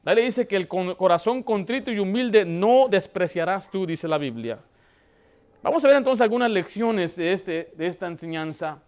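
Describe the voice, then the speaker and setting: A man with a high voice delivers a church sermon as pastor. He often stops to ask the congregation questions, and his delivery swells with emotion as he presses his point. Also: expressive, moderate pace, clear, resonant tone. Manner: preaching with rising emotion, asking the congregation questions.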